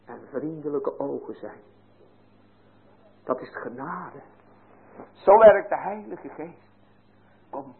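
A man preaching a sermon, earnest, rising to loud pleading and sinking low again. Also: breathy edge. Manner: slow deliberate delivery with pauses. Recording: tinny phone-like sermon recording.

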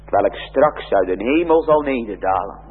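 A man who is a pastor prays slowly and earnestly, drawing out each phrase in old church language. His voice is a little husky. The tinny, lo-fi recording carries the long reverb of a large church. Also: medium pitch, expressive. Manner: slow, measured and earnest, old church diction. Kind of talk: solemn pulpit prayer.

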